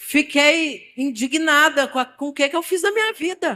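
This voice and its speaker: Her voice is high with a bright, sharp tone. This woman is heard in a very clean recording with a silent background. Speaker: evangelical testimony speaker. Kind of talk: testimony.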